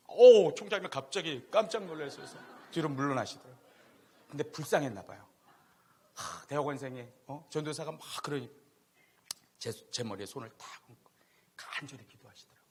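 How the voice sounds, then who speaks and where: A middle-aged man preaching a sermon as a pastor, telling a personal story with a loud voice, swinging between loud exclamations and hushed asides. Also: fairly high pitch, slight background noise. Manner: animated, swings from loud to hushed, laughing at himself. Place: church sanctuary.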